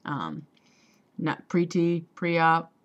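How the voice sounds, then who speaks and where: A young trans man talking casually to a camera, hesitant, with many ums and pauses, and a voice that still sounds female. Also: a little high, very animated, fairly bright tone. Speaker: vlogger. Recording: dull lo-fi home recording.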